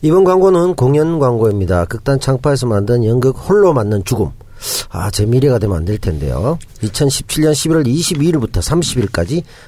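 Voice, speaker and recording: Here a man talks at a medium pitch. His voice moves in very wide pitch swings. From South Korea, Daegu region. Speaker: actor and podcast panelist. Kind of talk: casual political talk.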